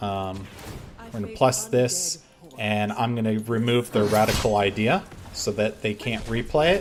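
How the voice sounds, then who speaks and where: The speech moves at a fairly slow pace with music playing in the background. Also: man. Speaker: gaming youtuber. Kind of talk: gameplay commentary. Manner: quiet; casual with filler words.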